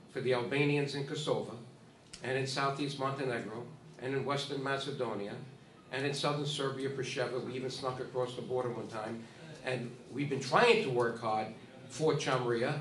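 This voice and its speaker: A man's voice: medium pitch, fairly even intonation, brisk, a bit bright. Emphatic male ceremony speaker, off the cuff, recorded from afar in a roomy hall with faint hiss. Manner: emphatic, repeats himself, talks to the audience. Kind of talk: informal speech at a ceremony. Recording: echoey hall, distant mic, faint hiss.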